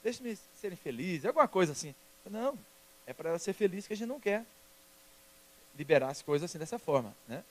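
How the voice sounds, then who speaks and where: A man preaching a sermon as pastor, telling personal stories in an emphatic, lively way. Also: sits high, fast, pauses often.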